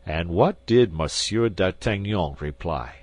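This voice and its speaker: A stern, pompous commissary with a deep voice who questions forcefully and loudly, played by a man. The reading is close and dry, like a storybook. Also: animated, slow, dry recording, heavily acted.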